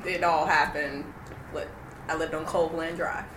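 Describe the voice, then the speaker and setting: A woman's voice: sits low, flat delivery, moderate pace, noisy background. Reflective woman, echoey room. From Roanoke, Virginia. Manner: reflective, hesitant, many fillers and restarts. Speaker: interviewee. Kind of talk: oral history interview.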